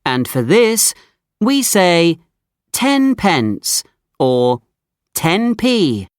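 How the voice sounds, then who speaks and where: Brief: lowish woman's voice, lively pitch, very slow explaining, dry studio. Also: clean tone, dry recording. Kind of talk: scripted textbook narration.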